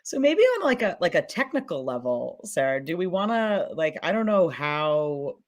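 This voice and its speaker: A woman's voice: fairly low pitch, very animated, moderate pace. A woman moderating a panel in casual conversation, asking loose, rambling questions peppered with filler words. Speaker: panel moderator, podcast producer.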